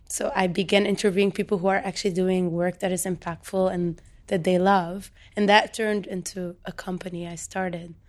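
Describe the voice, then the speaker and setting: A woman from Lebanon in her thirties, a poet talking reflectively in an interview, soft-spoken and thoughtful with frequent pauses and fillers. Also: on the low side. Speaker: poet and guest.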